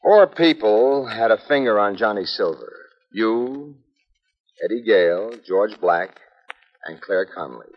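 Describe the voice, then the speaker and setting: A wisecracking hardboiled private eye. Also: male voice, on the low side, expressive, a little slow, slightly rough. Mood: cool. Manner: wisecracking, clipped tough-guy delivery. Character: hardboiled male private eye narrator, wry and tough. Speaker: detective lead and narrator. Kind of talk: 1950s radio drama acting. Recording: muffled old radio transcription with music.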